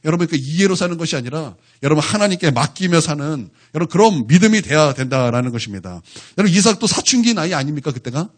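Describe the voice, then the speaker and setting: A man preaching a sermon in church, his voice husky and set fairly high for a man. He swings his pitch widely as he fires question after question at the congregation. The delivery is lively and conversational rather than solemn. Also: fast talker, few pauses. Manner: animated, keeps asking the congregation questions. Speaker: pastor.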